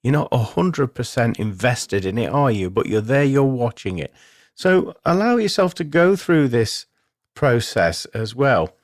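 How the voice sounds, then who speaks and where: Guy doing a spiritual radio show, medium pitch, measured explaining w pauses, close dry mic. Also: very animated, no echo. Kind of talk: spiritual self-help radio monologue.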